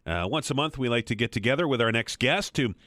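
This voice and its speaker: A man's voice: mid-range voice, expressive, quick pace, a bit bright, no echo, studio quality. A man hosting a call-in radio talk show, talking conversationally with frequent restarts, recovering from a slight cold.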